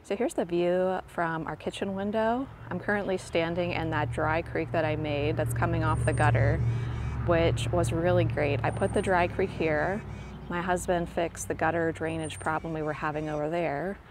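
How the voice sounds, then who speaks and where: Low-pitched woman chatting gently while walking her garden, phone mic, light outdoor noise behind. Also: fairly even intonation, moderate pace. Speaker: garden vlogger giving a tour. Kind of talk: casual walking garden tour. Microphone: handheld phone camera, filming while walking. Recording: faint outdoor ambience.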